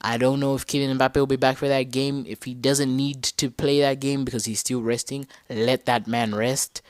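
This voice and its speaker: Young man from Zambia, podcast host. Mid-pitched voice, casual and slangy, thinks out loud and backtracks, dry close recording. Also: normal speed, clean tone, dry recording. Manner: animated, slangy, thinks aloud and corrects himself mid-sentence. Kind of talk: casual solo football talk.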